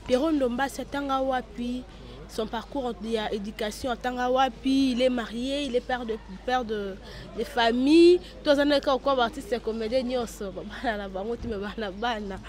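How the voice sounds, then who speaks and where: A woman interviewer with a hoarse voice from a cold, asking loose, rambling questions outdoors. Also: fairly high pitch, moderate pace, a little mellow. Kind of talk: interview questions, French and Lingala.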